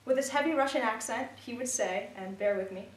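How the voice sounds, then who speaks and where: Young woman reading her personal essay, wry and a bit nervous, higher voice, roomy sound from off-mic. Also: fairly quick. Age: young adult. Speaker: student reader. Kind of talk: literary reading of personal prose. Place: reading event room. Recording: echoey room, voice from a distance.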